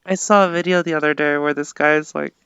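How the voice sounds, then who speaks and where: A man's voice: a little high, steady tone, brisk, sharp tone, smooth, no echo, highs cut off. A man streaming live, chatting casually with friends in a laid-back way and swearing freely. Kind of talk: casual chat.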